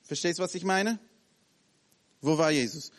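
Animated preacher man in a reverberant hall. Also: a little high, normal speed. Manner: animated, acts out scenes in short broken phrases. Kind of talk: sermon.

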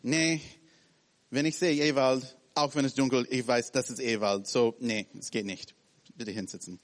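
Animated preacher man in a reverberant hall. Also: medium pitch, normal speed. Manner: animated, acts out scenes in short broken phrases. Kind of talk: sermon.

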